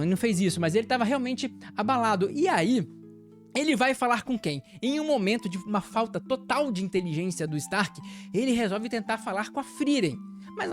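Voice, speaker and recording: A woman with a Brazilian Portuguese accent hosting an anime channel, recapping an episode in an animated, chatty way and laughing often. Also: on the high side.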